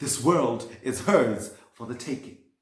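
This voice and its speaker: A man speaks at a fairly slow pace, his words carrying audible room echo. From Eswatini. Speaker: spoken word artist. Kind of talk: spoken word performance.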